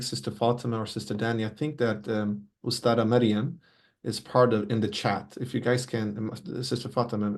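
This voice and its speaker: Gravelly, flat-voiced male host. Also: lowish voice. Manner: courteous, many religious blessings. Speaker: host of an online tribute. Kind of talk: formal moderating. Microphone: video call.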